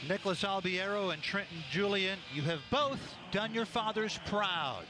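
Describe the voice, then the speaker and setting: A man's voice: high-pitched, lively intonation, moderate pace, music in the background. A man doing live play-by-play sports commentary in a factual announcer's delivery, setting out standings and scores. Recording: noisy indoor sports venue ambience. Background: venue noise.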